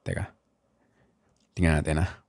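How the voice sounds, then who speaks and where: A man hosting a podcast, telling stories in animated casual chat with constant tag questions. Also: extremely low pitch, measured pace, vocal fry. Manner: animated storytelling with frequent "di ba" asides. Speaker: podcast host.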